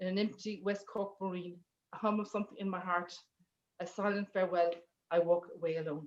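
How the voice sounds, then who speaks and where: With an Irish accent, a woman talks at a fairly quick pace, her medium pitch held in monotone, flat intonation. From Ireland. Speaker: poet. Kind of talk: poetry reading.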